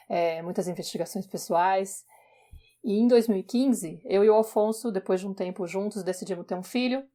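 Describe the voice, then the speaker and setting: A woman's voice: mid-range voice, dark tone. Paulistana woman in her thirties, casual storyteller, mid-range voice. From São Paulo, Brazil. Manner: conversational, with small restarts. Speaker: podcast co-host, journalist.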